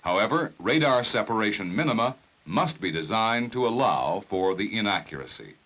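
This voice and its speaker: A man reading scripted technical narration for a 1960s instructional film in a formal, measured, precise manner. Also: fairly low pitch, very animated, a bit bright.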